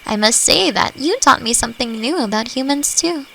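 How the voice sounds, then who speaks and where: A woman playing a friendly, thoughtful forest elf in a roleplay audio drama, talking gently and reflectively to the listener. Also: high-pitched, lively intonation, moderate pace, creaky, exaggerated voice, rough recording. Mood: earnest. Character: friendly, thoughtful female forest elf, long-lived and curious. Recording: faint noise, nighttime forest insect ambience. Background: crickets and forest ambience.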